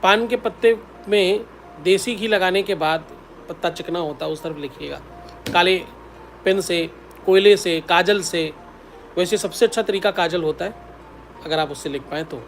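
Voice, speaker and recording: A man's voice: sits high, moderate pace, fairly bright tone, slight background noise. A man, a spiritual teacher, giving devotional advice in an instructive way, repeating the key steps and intoning mantras.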